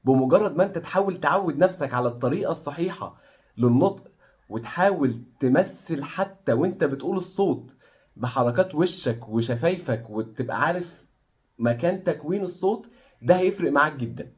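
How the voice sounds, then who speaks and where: Egyptian male pronunciation teacher, encouraging, drills vowel sounds slowly, very expressive pitch. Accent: Egyptian Arabic. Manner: demonstrates vowel sounds slowly, repeating them. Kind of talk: online pronunciation lesson.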